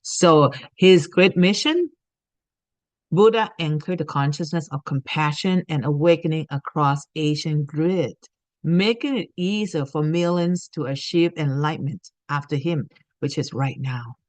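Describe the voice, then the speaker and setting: A woman's voice: sits low, unhurried, no echo. A woman from Thailand giving an earnest spiritual teaching talk, often checking in with "okay?".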